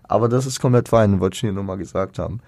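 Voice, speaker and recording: A man with a lowish, mellow voice talks through a music review in a relaxed, casual way. He keeps restarting his sentences and filling pauses, dropping slang as he goes. The sound is dry and close. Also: no echo. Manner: hesitant, many fillers and restarts; colloquial slang. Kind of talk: casual spoken album review.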